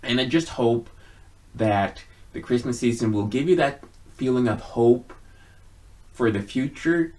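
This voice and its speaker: A man giving a casual personal monologue to viewers in an earnest, halting way, with frequent pauses. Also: medium pitch, a little mellow. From Sweden. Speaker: video blogger.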